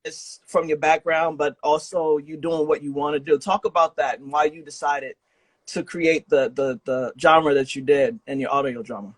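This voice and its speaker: A man's voice: on the high side, fairly even intonation, normal speed, no room sound. A man hosting a casual remote interview, speaking in a slangy, encouraging and affirming way over an online call. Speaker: podcast host and interviewer. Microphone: remote video call.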